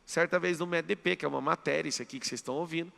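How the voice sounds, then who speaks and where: A man's voice: on the high side, very fast, creaky, sharp tone. A Brazilian Portuguese-accented man mentoring a live audience in a large hall, speaking emphatically and telling listeners what to write down. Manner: emphatic, drills the audience with commands. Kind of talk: live motivational seminar talk. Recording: long hall reverb.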